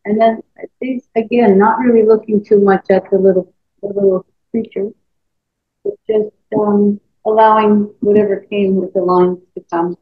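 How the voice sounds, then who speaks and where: A middle-aged woman casually sharing on a video call, at a medium pitch. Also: steady tone, moderate pace, husky. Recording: dull video-call audio.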